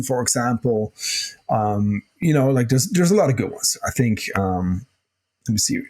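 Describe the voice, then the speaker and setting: A man hosting a nutrition podcast, answering listener questions in a casual, loose way, a little hoarse, with plenty of fillers and the odd swear. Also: mid-range voice, darkish tone. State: slightly hoarse, clears throat. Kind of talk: casual solo Q&A talk.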